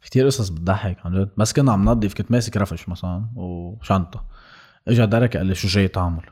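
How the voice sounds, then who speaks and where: A man's voice: lowish voice, fast, warm tone, slightly rough. A man with a Lebanese Arabic accent chatting casually, telling anecdotes and throwing in rhetorical questions.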